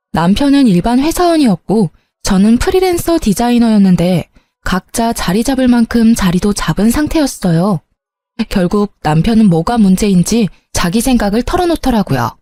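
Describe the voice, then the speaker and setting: A woman in her twenties telling her own marriage story in a confiding, measured way. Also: mid-range voice, mellow, dry recording. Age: 20s. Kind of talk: first-person story narration.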